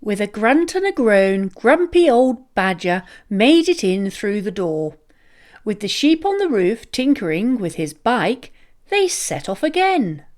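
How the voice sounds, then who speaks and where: A woman reading a children's story aloud as an expressive, deliberate, sing-song narrator. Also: mid-range voice. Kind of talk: animated scripted read-aloud narration for children.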